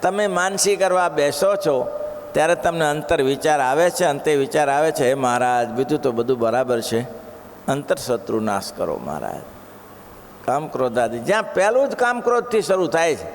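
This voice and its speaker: A man preaches in a storytelling way, acting out quotes and throwing questions to his listeners. His voice sits a little high. It rings with long reverb in a large hall, with a faint hiss underneath. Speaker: religious speaker. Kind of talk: sermon.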